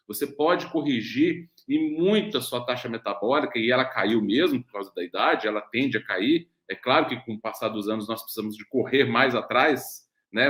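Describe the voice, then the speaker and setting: A doctor running a weight-loss mentoring program gives a lecture in a Brazilian Portuguese accent. His medium-pitched voice is a bit bright in an echoey room, and he explains patiently, often checking in with "né?" and using rhetorical questions.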